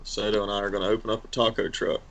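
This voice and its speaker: A man joining a trading stream over a video call, chatting casually and telling quick self-deprecating stories. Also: lowish voice, little pitch movement, creaky, dull audio. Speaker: stream participant. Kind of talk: casual chat.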